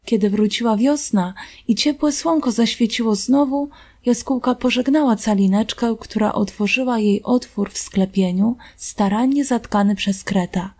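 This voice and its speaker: Gentle woman reading a fairy tale. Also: on the high side, normal speed, hardly any pauses. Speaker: storybook reader. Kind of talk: read-aloud fairy tale narration.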